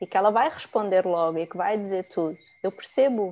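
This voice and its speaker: With an ordinary speaking voice, a woman talks at a moderate pace with ordinary pitch variation over a quiet background. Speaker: parenting coach. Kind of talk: case presentation.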